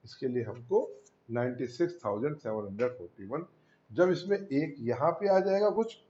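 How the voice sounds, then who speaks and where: A man's voice: on the high side, darkish tone. A male school maths teacher giving a patient classroom lesson, asking and answering his own questions and calling his students "beta", with Indian English number words. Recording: roomy, dull lo-fi classroom recording.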